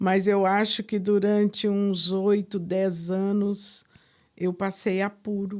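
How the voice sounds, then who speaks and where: A woman talks at a very slow pace in a medium pitch, her loudness very even. Her intonation is monotone and flat. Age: 70s. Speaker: business owner and veterinary scientist. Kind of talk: interview.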